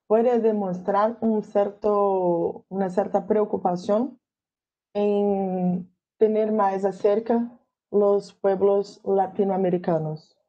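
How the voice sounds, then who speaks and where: A woman's voice: medium pitch, fairly even intonation, slow, highs cut off. A Brazilian woman whose first language is Portuguese, giving an academic lecture in Spanish and searching carefully for her words. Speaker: guest lecturer.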